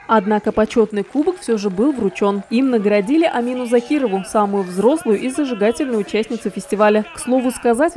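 Mellow female news narrator, slightly high voice.

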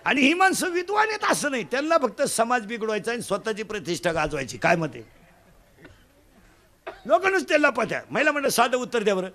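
A man from Maharashtra delivering a comic devotional sermon, animated, with loud bursts and mimicry of village folk. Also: very high-pitched, fairly quick. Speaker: kirtan preacher.

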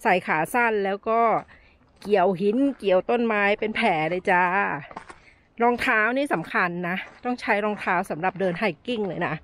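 A woman's voice: medium pitch, moderate pace, a little hiss or hum. A middle-aged woman chatting through hiking tips as she walks a sunny desert canyon trail, filming herself at arm's length, a little out of breath. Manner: chatty, friendly tips with soft sentence-final particles. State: slightly out of breath while hiking. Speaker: travel vlogger. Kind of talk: casual walk-and-talk vlog. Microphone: handheld camera at arm's length.

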